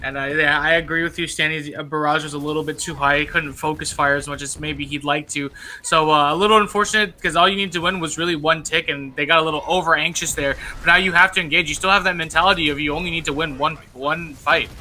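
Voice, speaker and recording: A man's voice: a little high, steady tone, fast talker, few pauses, pushed and bright, slight background noise. A man giving casual color commentary on a live esports match, analysing plays with plenty of filler words.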